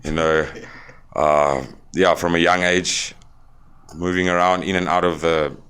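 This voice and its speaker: A young South African man telling his life story as a podcast guest, plain-spoken and halting with fillers. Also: low-pitched, flat delivery, a bit bright, clean tone. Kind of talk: candid interview storytelling.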